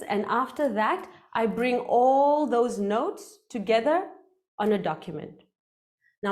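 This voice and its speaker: A woman in her thirties whose first language is Afrikaans, giving an animated, playful workshop talk on public speaking into a headset mic. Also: on the high side. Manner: animated, gestures a lot, playful.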